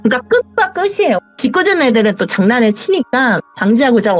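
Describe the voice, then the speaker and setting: A woman's voice: on the high side, very animated, fast talker. A woman telling her own ghost story in an interview, vividly acting out the voices of the people in it. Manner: vivid, acts out the dialogue. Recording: dull audio, faint music behind.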